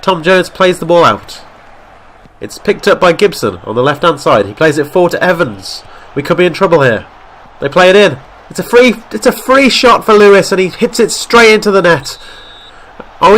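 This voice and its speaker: A man with a stuffy nose from a cold, calling football game highlights as play-by-play commentary and getting excited at near misses. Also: a little hiss or hum, poor audio. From Wales. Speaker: gaming YouTuber.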